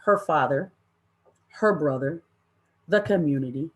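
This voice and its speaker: A woman presenting an interactive online training session in an impassioned, deliberate way, with emphatic repetition and rhetorical questions. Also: sits low. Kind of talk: impassioned interactive workshop talk to an online audience.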